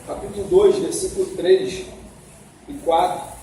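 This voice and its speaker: A man's voice: high voice, measured pace, dark tone, slight background noise. A man teaching a Sunday school class on the Bible, asking the class questions as he goes. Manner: asks the class questions, coaxing. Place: church hall. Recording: echoey hall from far off.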